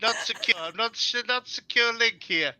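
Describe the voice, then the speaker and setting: A man's voice: moderate pace, bright, forceful tone, no echo, exaggerated voice. A man putting on a goofy male pirate voice with broken English, joking from off mic. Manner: clowning, broken English, high and bouncy.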